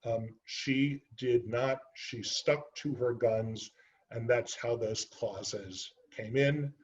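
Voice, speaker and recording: Man, author talk, unhurried, earnest, fillers, medium pitch, dull muffled sound. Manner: unhurried, earnest, with frequent ums and uhs. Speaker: children's book author giving a talk. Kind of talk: library author presentation.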